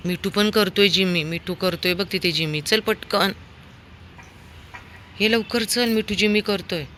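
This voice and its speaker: Woman coaxing her dog, bright voice. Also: slight background noise. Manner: coaxing, urging the dog with quick high calls. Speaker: dog owner filming her pet. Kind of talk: casual talk to a dog.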